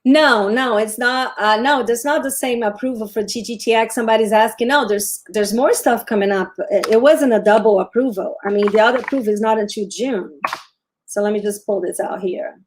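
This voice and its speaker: A woman's voice: fairly high pitch, brisk, a little hiss or hum. A woman from Brazil with a Brazilian accent, hosting a casual livestream about stocks, often restarting sentences and answering viewer questions. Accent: Brazilian Portuguese. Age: 40s. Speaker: show host, trader.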